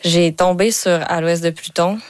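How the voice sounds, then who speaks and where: Low-voiced Québécois woman, dry sound. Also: fairly even intonation, normal speed, a little mellow, smooth, no echo. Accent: Québécois French. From Quebec City, Canada. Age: around 30. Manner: earnest, enthusiastic, colloquial. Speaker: author and first-time filmmaker guest. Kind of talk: casual interview chat.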